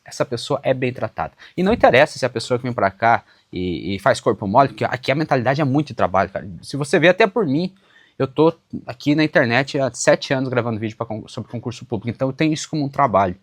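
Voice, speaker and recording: Fast-talking southern Brazilian man. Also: mid-range voice, lively intonation, no echo, studio quality. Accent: southern Brazilian, Santa Catarina. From western Santa Catarina, southern Brazil. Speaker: YouTuber on public service exam preparation. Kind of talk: casual direct-to-camera commentary, responding to comments. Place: outdoors on a small farm.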